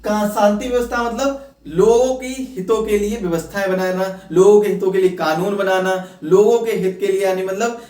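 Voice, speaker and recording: A man's voice: sits high, steady tone, moderate pace, darkish tone. A man teaching an exam class, repeating and explaining points and posing questions that he then answers. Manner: repetitive, explanatory, poses questions and answers them. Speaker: online exam coaching teacher. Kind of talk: instructional lecture to students. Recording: echoey room, distant microphone.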